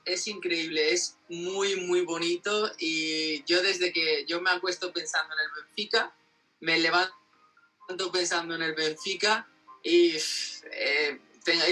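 A man in his twenties from Spain with a Spanish accent, a native Spanish speaker giving casual, halting interview answers as he searches for words. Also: high-pitched, steady tone, bright, forceful tone. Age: 20s. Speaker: interview guest, football fan. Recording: distant mic with faint music behind.

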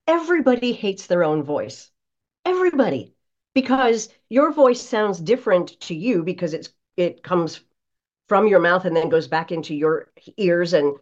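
A middle-aged woman, a voice coach giving conversational advice as an interview guest, speaking emphatically with deliberate pauses on dull, lo-fi audio. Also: mid-range voice, a little mellow.

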